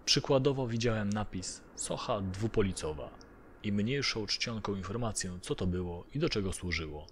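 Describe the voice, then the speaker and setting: A man's voice: lowish voice, moderate pace, few pauses, a little hiss or hum. A man narrating a first-person horror story from a script. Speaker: narrator of audio horror stories.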